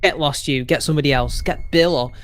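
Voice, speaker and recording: A man's voice: on the high side, quick pace, fairly bright tone, slight background noise. A man playing in a tabletop game, chatting casually and asking lots of questions. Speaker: player.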